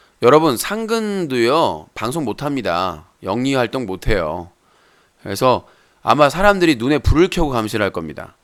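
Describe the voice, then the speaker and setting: This man's pitch sits at a medium level and swings very widely. He talks at a moderate pace. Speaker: internet broadcaster, call-in show host. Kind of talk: live call-in comedy stream. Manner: brash, insulting banter.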